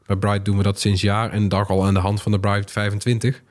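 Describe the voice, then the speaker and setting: A man's voice: lowish voice, little pitch movement, fairly quick. A man, presenting and chatting as a podcast host.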